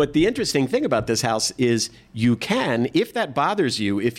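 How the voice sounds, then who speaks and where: A man's ordinary speaking voice with a General American accent, medium pitch, lively intonation and a moderate pace. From US West Coast, San Diego. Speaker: real estate reporter. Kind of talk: casual interview about housing news.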